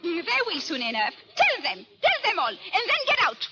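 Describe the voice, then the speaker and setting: An actress playing a distressed, volatile young foreign society ward in theatrical old-time AM radio drama style. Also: female voice, huge pitch swings, moderate pace, background noise, full character voice. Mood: furious. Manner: theatrical, highly emotional. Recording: dull AM radio sound, music.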